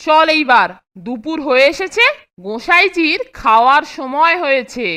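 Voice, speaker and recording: A woman's voice: high-pitched, lively intonation, moderate pace, pushed and bright, slight background noise. A woman voicing a cheeky, scheming schoolboy in a children's cartoon, sly and confident. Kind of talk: Bengali children's cartoon voice acting.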